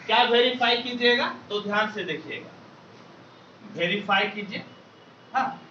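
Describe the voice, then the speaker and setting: Male maths teacher, keeps firing questions for the class to shout back; distant, lo-fi mic. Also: extremely high pitch, reverberant, a little hiss or hum. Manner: drills students with call-and-response questions. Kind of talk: classroom lecture.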